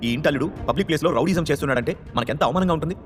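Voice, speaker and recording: A man voicing a sensible, measured middle-aged uncle with a slightly sarcastic edge. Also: a little high, soft background music, pitched above the performer's own voice, close to an everyday voice. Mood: stern.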